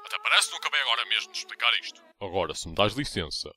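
A man's voice: fairly low pitch, very animated, racing, a loud crowd. A man voicing a sarcastic, bloodthirsty male vampire in a comedic anime parody dub, with a European Portuguese accent and flippant, mocking delivery. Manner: mocking, flippant, swinging into sudden outbursts. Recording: loud music behind voice.

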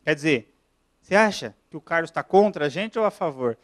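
A man from Brazil, a lawyer giving a classroom lecture, talking fast and chatty and checking in with his audience. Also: on the high side, lively intonation, fairly bright tone. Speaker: lawyer lecturing on pension law.

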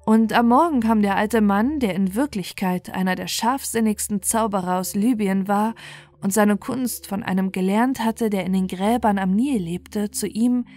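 A woman's voice: mid-range voice, normal speed, darkish tone, dry recording. A woman reading a scripted bedtime fairy tale as its narrator.

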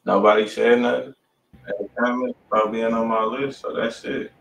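A man's voice: mid-range voice, flat delivery, normal speed, vocal fry, fairly bright tone. Echoey, distant American man livestreaming. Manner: slangy, profane. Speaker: host of a music review livestream. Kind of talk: casual livestream chat. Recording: echoey room, distant mic, faint noise.

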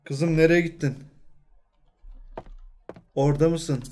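A young man commenting on a horror game he plays, talking to himself and the game, muttering low and breaking into frightened yells, his throat strained from shouting. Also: steady tone, takes it slowly, faint music behind. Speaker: gaming channel host.

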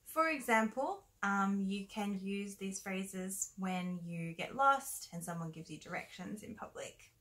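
A woman's voice: mid-range voice, expressive, measured pace, hardly any pauses, fairly bright tone. A young woman co-hosting a beginner language lesson, explaining in a friendly way with small fillers. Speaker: Korean teacher, co-host.

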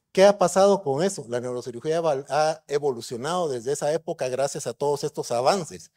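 The speaker, a middle-aged neurosurgeon from Guatemala, has a fairly high-pitched, warm voice. At a conference, he lectures conversationally and puts rhetorical questions to those listening.

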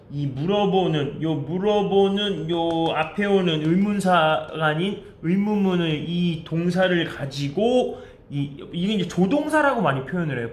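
Upbeat Korean man teaching English. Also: on the high side. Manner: slow, drawn-out English model phrases between quick Korean explanations; friendly coaxing questions to viewers. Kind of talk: basic English phrase lesson. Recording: roomy echo.

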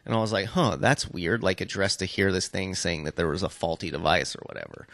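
A man's voice: deep voice, a little fast, fairly bright tone, no echo, studio quality. A man telling stories in a casual, rambling podcast chat, with lots of swearing and "like" thrown in. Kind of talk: casual profane storytelling chat.

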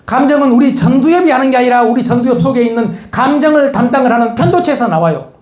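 A man giving a lively motivational lecture, teasing his audience with questions and jokes. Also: very high-pitched, fast talker. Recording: echoey lecture hall.

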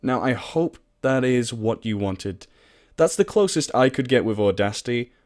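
A man presenting a casual software tutorial in an informal, self-deprecating, sweary way. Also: medium pitch, animated, normal speed.

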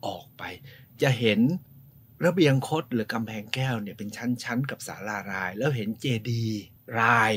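A man hosting a tour, telling stories in a lively, polite, informal way outdoors. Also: mid-range voice, moderate pace, a little hiss or hum. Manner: lively storyteller, polite, often adds polite particles. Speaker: host and tour guide. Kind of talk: informal guided-tour storytelling. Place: outdoors at a temple.

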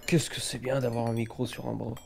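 A man's voice: mid-range voice, little pitch movement, brisk, vocal fry, darkish tone, a little hiss or hum. A man, chatting and joking casually while playing a game. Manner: chatty, jokey, gives gear advice. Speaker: let's play co-host. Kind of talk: casual gaming chat.

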